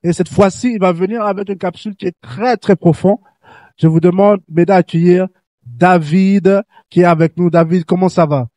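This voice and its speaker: A man's voice: high-pitched, moderate pace, warm tone, dry recording. A man hosting a Christian youth talk show, speaking earnestly and exhorting young listeners, with many restarts. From grew up in Canada. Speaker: host.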